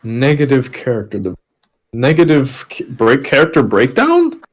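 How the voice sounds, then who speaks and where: A man's voice: medium pitch, huge pitch swings, moderate pace. A man hosting a podcast, giving casual commentary in a teasing, mock-dramatic way. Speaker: podcast host. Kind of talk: casual group chat, commentary.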